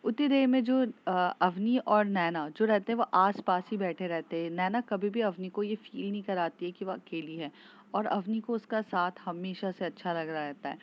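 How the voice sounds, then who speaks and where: A woman's voice: medium pitch, normal speed. A woman casually retelling a love story in a chatty, loose way with many fillers, in a muffled lo-fi recording.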